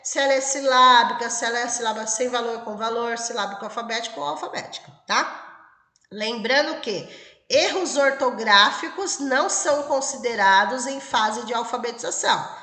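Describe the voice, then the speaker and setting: A woman's voice: fairly high pitch, normal speed, bright, forceful tone. A Brazilian woman teacher giving an exam-prep lecture, explaining step by step and checking in with the class. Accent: Brazilian Portuguese. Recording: echoey room with long reverb.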